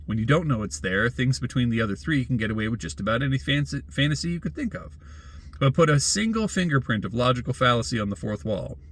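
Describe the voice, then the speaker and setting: A man's voice: mid-range voice, a bit bright. Male commentator, mid-range voice, sardonic and rhetorical delivery of a written opinion piece. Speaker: blogger and commentator. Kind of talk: scripted opinion essay read aloud.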